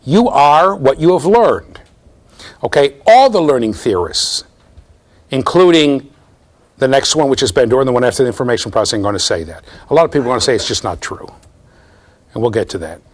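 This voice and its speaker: A man in his fifties lectures to a room of students, his voice sitting in an ordinary middle range. He explains with animated energy and keeps asking "okay?" and "right?" to check that the class is following. The sound is picked up from a camera in a bookshelf-lined classroom. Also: mid-range voice, brisk, pauses often. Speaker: university lecturer.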